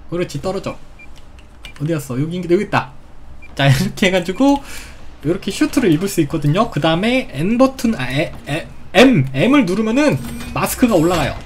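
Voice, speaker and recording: A woman's voice: fairly low pitch, a little hiss or hum. A woman hosting a casual gameplay video, chatting playfully and making lots of sound effects.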